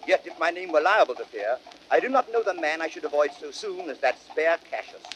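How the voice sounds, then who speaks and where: An actor playing a proud, suspicious, imperious Roman ruler with commanding, pompous Shakespearean delivery. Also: male voice, on the high side, expressive, a little fast, fairly bright tone. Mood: haughty, wary. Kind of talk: classical Shakespearean radio drama acting. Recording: noisy vintage spoken-word drama record.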